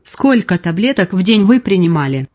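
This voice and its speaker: A man interviewing a patient, putting brisk prompting questions to her. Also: sits high, big pitch swings, a little mellow. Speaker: interviewer and therapist.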